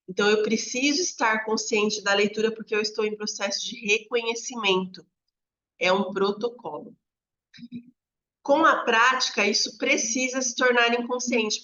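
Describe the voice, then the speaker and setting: A woman's voice: mid-range voice, fairly bright tone. A woman explaining reading instruction step by step, often checking in with listeners. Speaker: literacy educator. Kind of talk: explanatory teaching talk. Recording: slightly dull lo-fi recording.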